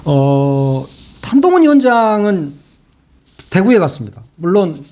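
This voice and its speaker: A man's voice: sits high, big pitch swings, measured pace, dark tone. A man giving solo political commentary, opinionated and emphatic, often asking rhetorical questions.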